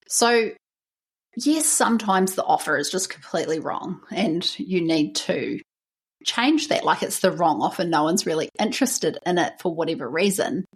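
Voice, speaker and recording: A New Zealand woman talks through her solo podcast episode in a chatty, encouraging way, often dropping in "you know." Her voice sits on the lower side and has a slightly husky edge. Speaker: podcast host.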